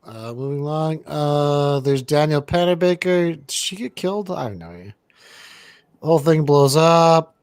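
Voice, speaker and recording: A man co-hosting a casual movie-review chat, rambling and deadpan, with casual swearing. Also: fairly high pitch, normal speed, clear, resonant tone, dry recording, clean studio sound. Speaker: podcast co-host.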